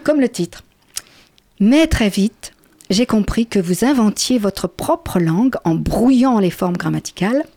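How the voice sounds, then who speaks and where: Female book interviewer, mellow, slightly high, dry close sound. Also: no room sound. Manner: reads quotations aloud, warm praise. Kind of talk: literary interview.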